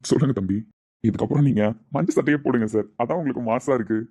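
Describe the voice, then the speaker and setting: Fast, warm-toned man in drama dialogue. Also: medium pitch, husky. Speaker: actor in a family drama.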